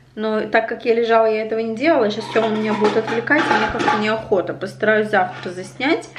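A woman talks at a fairly quick pace. Noticeable background noise sits behind her voice. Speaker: mother vlogger. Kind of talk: casual vlog chat. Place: home room. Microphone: phone near.

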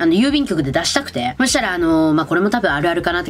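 A woman at a very fast pace over light background noise. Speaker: vlogger. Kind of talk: casual vlog chat. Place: home room. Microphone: phone near.

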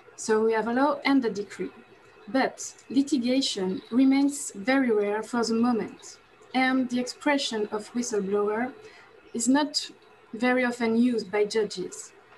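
A woman with a French accent speaks at a fairly slow pace in a high pitch. Her pitch varies in an ordinary way, with light background noise behind her. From France. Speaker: law professor. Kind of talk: academic conference presentation. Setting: online webinar. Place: home room. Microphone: video call.

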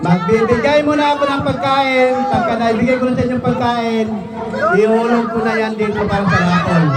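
Over crowd noise and audible room echo, a man speaks at a moderate pace with an extremely high pitch and ordinary pitch variation. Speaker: vlogger running a children's Christmas party. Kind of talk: giving instructions to a crowd of children. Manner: loud, repetitive commands.

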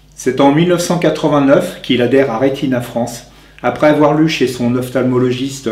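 At a fairly slow pace, a man speaks with ordinary pitch variation in a room with audible echo. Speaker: presenter. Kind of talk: prepared presentation. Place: home room. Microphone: camera far.

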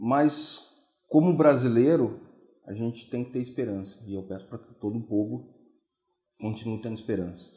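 Over a quiet background with audible room echo, a man speaks in a somewhat breathy voice with a dark, mellow tone, leaving long, frequent pauses. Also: ordinary pitch variation, moderate pace, big swings in loudness. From Brazil, São Paulo state (Americana). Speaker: musician and entrepreneur. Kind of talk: interview. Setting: studio. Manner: hesitant, with repetitions. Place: studio. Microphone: lapel.

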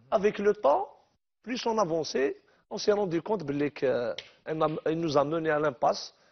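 The background is quiet as a man talks at a high pitch. His pace is moderate. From Algeria. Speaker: football analyst. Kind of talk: heated debate. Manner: animated. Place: studio. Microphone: lapel.

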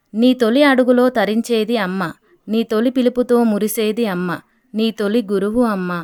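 This woman has an ordinary speaking voice, fairly high in pitch with ordinary pitch variation, on a very clean recording with a silent background. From Telangana, India. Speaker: poet; school teacher. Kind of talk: poetry reading.

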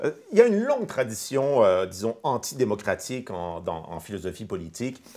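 In a Canadian French accent, a man speaks at a moderate pace with a medium pitch. His tone is dark and mellow, and the background is quiet. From Canada. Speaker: philosopher; interview guest. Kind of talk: interview. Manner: halting. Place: home room. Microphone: lapel.

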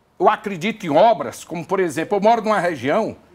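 A man is speaking here. His tone is animated. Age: 60s. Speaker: city councillor. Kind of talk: TV interview. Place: studio. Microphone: lapel.

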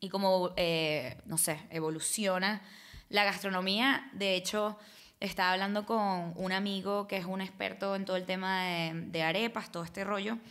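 A woman's fairly even intonation comes through over a quiet background. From Venezuela, Caracas. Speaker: graphic designer and chef; podcast guest. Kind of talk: casual chat. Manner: fast. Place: studio. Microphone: studio mic.

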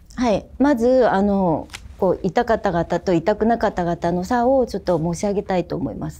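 This woman's voice has a dark, mellow tone, ordinary pitch variation and a moderate pace. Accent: Korean. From South Korea. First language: Korean (speaking Japanese). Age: 40s. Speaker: beauty salon owner pitching for investment. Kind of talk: business pitch. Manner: halting with many fillers. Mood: calm, earnest, polite. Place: studio. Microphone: lapel.

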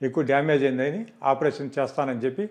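With fairly even intonation, a man talks in a fairly high pitch. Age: 50s. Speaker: patient. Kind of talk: patient testimonial. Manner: halting.

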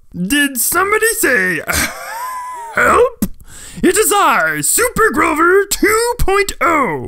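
Using a put-on character voice at an extremely high pitch, a man talks at a very slow pace with long, frequent pauses over light background noise. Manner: eager, deflated.

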